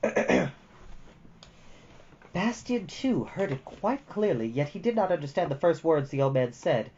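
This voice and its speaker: A man reading a storybook aloud as host, with expressive narration and the odd casual aside. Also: fairly high pitch, measured pace, muffled recording, slight background noise.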